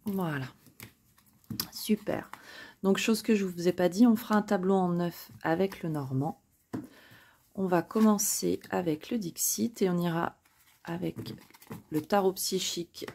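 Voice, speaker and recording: Low gravelly woman reading tarot. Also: unhurried, pauses often, darkish tone, slight background noise. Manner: chatty, hesitant with frequent fillers, self-joking. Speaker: tarot card reader. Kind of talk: casual spoken card reading.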